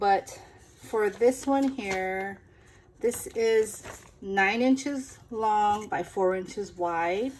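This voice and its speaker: A woman speaks at a very slow pace. Her pitch is fairly high, with ordinary variation. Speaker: paper craft YouTuber. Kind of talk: casual chat; tutorial. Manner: many fillers and restarts.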